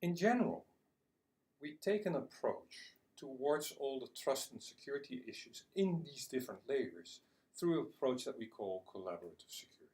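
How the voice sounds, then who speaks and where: A man speaks from some way off the microphone in a mid-range voice. He explains things like a conference speaker, phrasing deliberately and haltingly, sometimes repeating words as he goes. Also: medium pitch, very animated, a little mellow. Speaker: conference speaker on internet security. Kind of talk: explanatory presentation to an audience. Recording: distant microphone.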